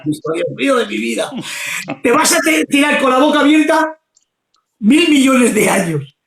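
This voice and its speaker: A man preaching fervently, often shouting his exclamations. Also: very high voice, very animated, a little slow, gravelly, reverberant, a crowd in the background. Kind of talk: impassioned preaching.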